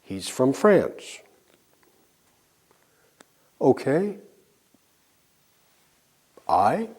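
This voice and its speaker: A man teaching an English lesson, drilling example sentences slowly and clearly with pauses for learners to answer. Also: medium pitch, sing-song, a little mellow. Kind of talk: slow scripted language lesson.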